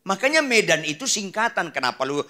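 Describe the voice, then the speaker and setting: A man preaching in a church, teasing his listeners and throwing quick questions at them. His speech, and his voice is bright, forceful and slightly high. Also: very animated. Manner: joking, teasing, questions the crowd. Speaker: pastor. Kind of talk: sermon.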